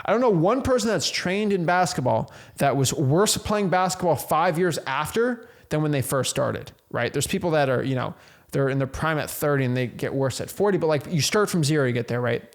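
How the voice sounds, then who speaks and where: A young man hosting his own channel, giving emphatic, casual motivational coaching on cold calling. He keeps repeating himself, tosses in "right?", and rushes from point to point. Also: fairly high pitch, lively intonation. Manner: emphatic, repetitive, rapid-fire with frequent "literally" and "right?". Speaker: real estate wholesaling coach and channel host. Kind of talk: casual motivational talk to camera.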